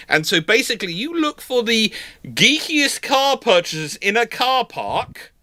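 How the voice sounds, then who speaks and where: A man's voice: high voice, sharp tone, no room sound. A man hosting a casual live question session, explaining things in an emphatic, rambling, chatty way. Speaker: livestream host answering questions.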